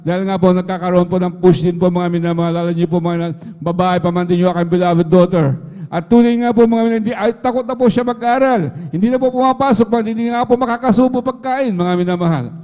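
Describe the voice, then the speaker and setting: Middle-aged man testifying in church, keeps addressing the listeners, quick and monotone delivery. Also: high voice. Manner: fills nearly every phrase with a repeated address to the listeners. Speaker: church member giving testimony. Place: church hall. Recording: echoey church hall livestream.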